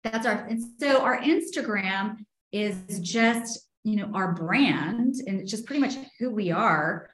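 A woman's voice: mid-range voice, lively intonation, unhurried, few pauses, fairly bright tone. Chatty upbeat woman in a roomy space. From Spain. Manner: chatty, upbeat, finishes her partner's sentences. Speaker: real estate agent. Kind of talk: casual interview chat.

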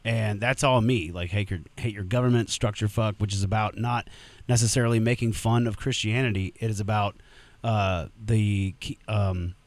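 Man, punk musician guest, blunt casual talk, low voice, dry sound. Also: fairly even intonation, moderate pace, no echo. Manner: blunt, casual, swears freely. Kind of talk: casual podcast chat.

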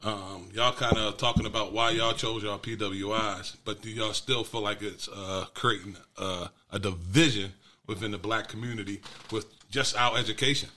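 Bright African American male discussion moderator. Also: lowish voice, fairly even intonation, moderate pace. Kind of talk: casual chat.

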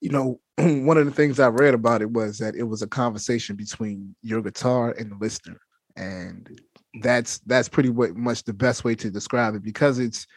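A man's voice: mid-range voice, fairly even intonation, moderate pace, no echo. A man hosting a podcast from his home studio, talking enthusiastically and repeating himself as he addresses the listeners as family. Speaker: podcast host. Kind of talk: casual podcast interview.

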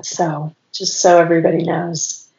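A woman in her forties with a cold and a slightly raspy voice, telling her story as a podcast guest in long, strung-together sentences. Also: fairly low pitch, level tone, normal speed, mellow. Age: 40s. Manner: rambling, stacks clauses with "and". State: has a cold. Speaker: podcast guest, business owner. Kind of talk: casual interview storytelling. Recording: roomy, dull lo-fi sound.

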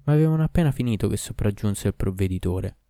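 A man reading a folk tale aloud as narrator, in a measured storybook way. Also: on the low side, animated, mellow, clean tone, dry recording, clean studio sound.

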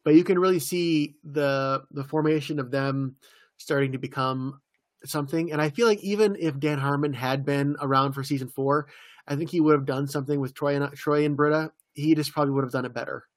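A man's voice: a little high, steady tone, brisk, dry recording. An easygoing man with a slightly raised voice walks through plot beats on a podcast, casually quoting lines. It is recorded close up, with a dry, dead sound. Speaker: podcast co-host. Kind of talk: casual episode recap chat.

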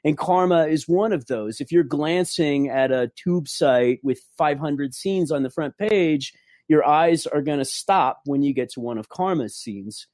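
A man's voice: a little high, a little slow, a little mellow, no room sound. Man hosting a podcast, dry close sound. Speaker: podcast host and adult film producer. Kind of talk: conversational podcast introduction and storytelling.

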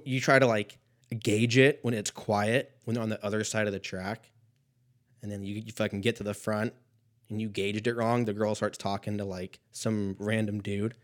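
A man in his thirties hosting a casual solo comedy podcast, rambling and swearing, often dropping to a mumble before jumping to loud quips. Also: medium pitch. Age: 30s. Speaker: podcast host.

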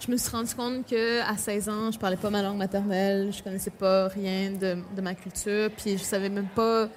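A woman's voice: medium pitch, level tone, normal speed, a little hiss or hum. A young woman, an author speaking with many hesitations and restarts. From Quebec, Innu community. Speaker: author guest.

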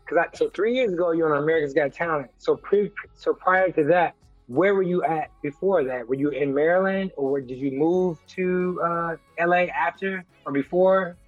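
A man from the American Midwest interviewing a guest in a casual, playful, slangy way with quick interjections. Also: a little high, no room sound, muffled recording, soft background music. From Detroit, Michigan, US.

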